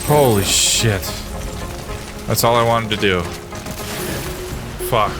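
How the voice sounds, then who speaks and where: Profane, fed-up gamer man, lowish voice. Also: slow. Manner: profane, exasperated running commentary. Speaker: gamer playing through a video game. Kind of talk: casual let's-play commentary. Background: game music.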